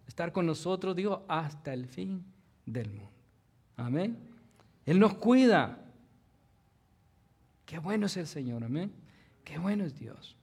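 A man preaching a sermon as pastor. He asks the congregation rhetorical questions, keeps tagging his lines with "¿verdad?", and swings from loud emphasis to soft, almost whispered passages. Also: a little high.

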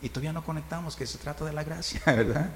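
A man's voice: fairly high pitch, fast. A man preaching a conversational sermon, often asking "right?" and chuckling. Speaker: pastor. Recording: reverberant hall, faint noise.

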